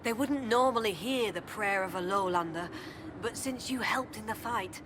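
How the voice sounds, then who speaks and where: A woman's voice: medium pitch, moderate pace, close to an everyday voice. A woman playing a hearty, devout tribal huntress in a video game, forthright and earnest like a storyteller. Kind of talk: video game dialogue acting. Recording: clear background noise of game ambience.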